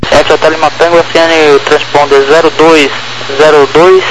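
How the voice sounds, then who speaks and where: A man's voice: on the high side, level tone, normal speed. A man exchanging clipped, procedural aviation messages over a crackly radio. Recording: noisy crackly radio transmission.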